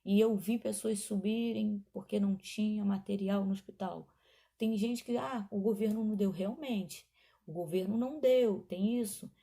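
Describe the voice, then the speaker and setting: A woman's voice: medium pitch, measured pace, mellow, breathy edge. A woman pastor giving an emotional testimony in a sermon, talking straight to the congregation. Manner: emotional storytelling, addresses congregation as brothers.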